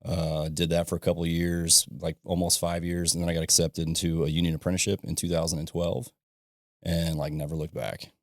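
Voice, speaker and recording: A man in his thirties from southern Illinois, a guest on a podcast, chatting in a relaxed way with frequent laughs and "you know what I mean". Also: low voice, a little fast, no echo, clean studio sound. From southern Illinois, USA. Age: 30s. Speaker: podcast guest, ironworker and business owner. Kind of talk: casual conversation. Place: podcast studio.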